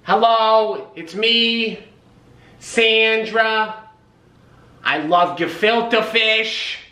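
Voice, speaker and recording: A man's voice: high-pitched, extremely slow, bright, forceful tone, heavily acted. A man playing a fussy, doubtful elderly Jewish grandmother in a comic monologue. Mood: fretful. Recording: roomy kitchen, distant camera mic.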